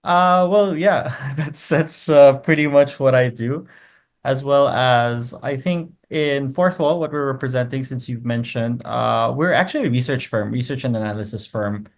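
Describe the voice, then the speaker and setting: A man from Korea, a native Korean speaker, explains things in tidy numbered points as an interview guest. His voice has a gravelly, creaky edge, and he sits in a middling pitch for a man. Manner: explains in numbered points, tags statements with quick checks. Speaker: guest researcher and consultant. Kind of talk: conversational interview.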